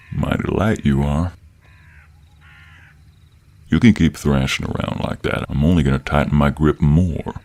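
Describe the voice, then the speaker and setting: A man playing a cocky, flirtatious and menacing cowboy monster hunter in an audio roleplay, with a very deep, gravelly voice and a slow American cowboy drawl. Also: heavily acted. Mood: flirtatious, smug. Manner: slow, teasing drawl with terms of endearment. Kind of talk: intimate scripted audio roleplay.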